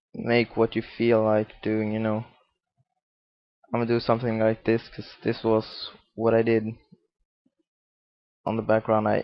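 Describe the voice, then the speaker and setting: Talking at a fairly slow pace with long, frequent pauses, a man with a Swedish accent keeps a monotone, flat intonation. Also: medium pitch for a man. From Sweden. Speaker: graphics tutorial youtuber. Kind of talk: tutorial. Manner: casual, halting with fillers.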